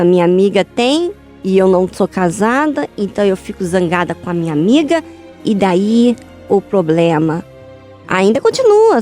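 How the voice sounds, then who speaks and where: A woman's voice: on the high side, dark tone. Earnest woman preaching. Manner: earnest, addresses listeners directly with repeated questions. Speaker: speaker at a church youth meeting. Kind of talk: motivational faith talk to women.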